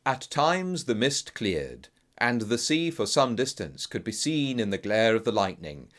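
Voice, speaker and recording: A man's voice: mid-range voice, very animated, a little slow, a bit bright. A man narrating a classic Gothic tale in a theatrical, grave and suspenseful manner, as a melodramatic audiobook reading. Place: recording studio.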